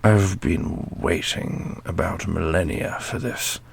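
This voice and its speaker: A man voicing a loyal, stubborn old general with formal military manners and a gravelly, husky voice in a fantasy roleplay. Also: sits low, fairly even intonation, slow pace, heavily acted. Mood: resolute. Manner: formal, respectful military address. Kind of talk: ASMR fantasy audio roleplay.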